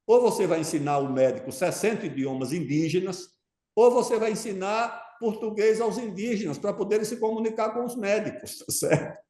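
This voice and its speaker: A man with a fairly high yet mellow, warm voice talks as an interview guest. He makes his points emphatically and keeps pausing to check his listener is following. The sound is roomy, with a noticeable echo. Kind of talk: conversational interview answer.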